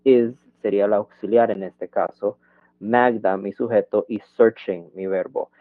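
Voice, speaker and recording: Speaking unhurriedly in a lowish voice with fairly even intonation, this man runs an online English lesson, using Spanish for the grammar and overdoing the rise and fall as he models English questions. It sounds thin and phone-like, dry and echo-free.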